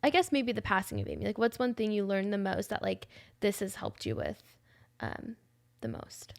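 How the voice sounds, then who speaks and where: A young woman in her twenties hosting a faith podcast, talking casually and warmly with lots of "like" fillers. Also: medium pitch, sing-song, normal speed. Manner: chatty, many "like" fillers, emotional. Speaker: podcast host. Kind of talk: casual heartfelt chat.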